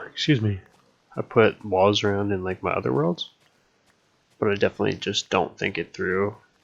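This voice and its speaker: In a quiet, relaxed tone, a man with a fairly low voice talks at a moderate pace with ordinary pitch variation and long, frequent pauses. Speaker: gaming streamer. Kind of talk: casual gameplay commentary.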